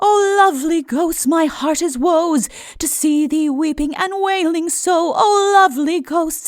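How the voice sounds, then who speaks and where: A put-on character voice from a woman, extremely high-pitched and at a fairly slow pace. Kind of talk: archaic romantic verse. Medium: read story. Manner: earnest, chivalrous.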